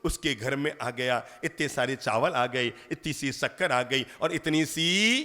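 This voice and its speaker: A man preaching, telling a story with lively rhetorical questions. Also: mid-range voice, unhurried. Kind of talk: storytelling sermon. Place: large lecture hall. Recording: long hall reverb.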